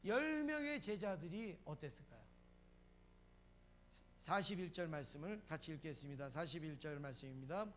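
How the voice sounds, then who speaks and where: Male pastor, high voice, sermon, repeats for emphasis, faint hum behind. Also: animated, normal speed, a bit bright. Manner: asks the congregation questions and answers them, repeats phrases for emphasis; acts out quoted lines in a raised voice.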